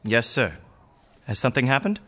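A man's voice: mid-range voice, big pitch swings, moderate pace, sharp tone. An actor playing a humble, courteous Native American man in a radio drama, speaking in a thoughtful, formal, deferential way. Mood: courteous, curious. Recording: faint music behind. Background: faint music.

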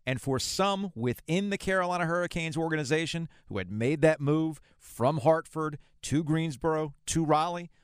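A man's voice: on the high side, normal speed, hardly any pauses, clean tone, dry recording, clean studio sound. A man hosting a sports podcast, narrating a scripted story about local sports.

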